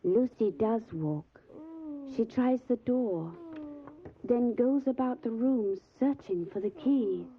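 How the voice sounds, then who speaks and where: A woman's voice: on the high side, takes it slowly. An actress playing an earnest, caring young Victorian lady in an audio drama, with a proper and solicitous manner. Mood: anxious narration. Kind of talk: audio drama acting and diary narration. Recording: phone-like, faintly noisy audio.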